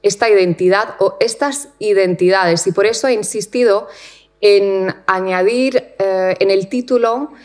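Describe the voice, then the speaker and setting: A woman guest lecturer presents an academic talk to a hall audience. She talks at a measured pace, often pausing on fillers and repeating words as she finds her phrasing. Her voice comes through a mic in a lecture room. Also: mid-range voice, darkish tone.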